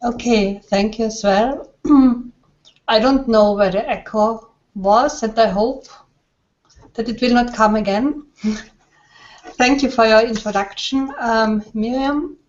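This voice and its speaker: A woman hosting an interview in an online hangout, speaking haltingly over a muffled web call. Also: on the high side, darkish tone. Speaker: host, interviewer. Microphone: online video call.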